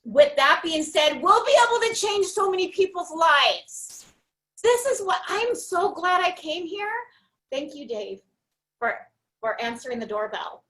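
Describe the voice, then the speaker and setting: A woman giving a loud, bubbly pep talk to people on a call, gushing and repeating herself. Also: very high voice, big pitch swings, unhurried, rough recording. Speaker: guest speaker, network member. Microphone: call audio.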